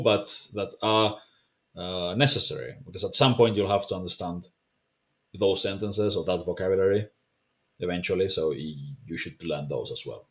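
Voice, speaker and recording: Low-voiced man explaining a language method. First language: not English. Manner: relaxed and conversational, frequent fillers and self-corrections. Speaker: language teacher. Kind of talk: casual explainer video, talking to camera.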